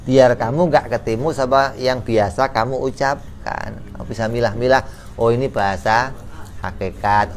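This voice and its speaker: A man teaching a casual religious study class, joking and acting out little dialogues. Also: mid-range voice. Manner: lively, joking, slangy, acts out dialogues. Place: study gathering room.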